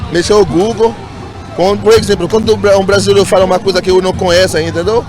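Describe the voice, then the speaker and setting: A man's voice: sits high, steady tone. A man from Haiti, talking in a news interview, stumbling and repeating words. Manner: rushed, stumbling repetitions. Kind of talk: interview answer. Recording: street news clip with music and crowd.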